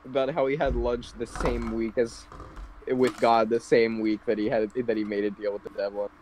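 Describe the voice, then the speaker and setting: A man's voice: mid-range voice, flat delivery, normal speed, a little mellow, a little hiss or hum, poor audio. A man co-hosting a podcast, telling rambling stories full of fillers and casual swearing. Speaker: podcast co-host. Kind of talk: casual chat.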